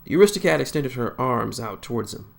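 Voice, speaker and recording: A man reading his own fan fiction aloud, unhurried and plain, with small slips. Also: medium pitch, expressive, gravelly.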